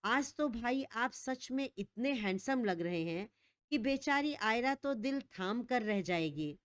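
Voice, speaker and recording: A woman voicing a sweet, gentle young bride who speaks softly and affectionately. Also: on the high side, lively intonation, slow pace, clean tone, dry recording, studio quality.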